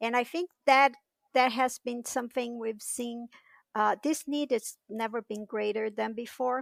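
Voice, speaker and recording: At a fairly slow pace, a high-pitched woman with a Brazilian Portuguese accent keeps a fairly even intonation on a very clean recording with a silent background. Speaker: market research executive. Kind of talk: podcast interview.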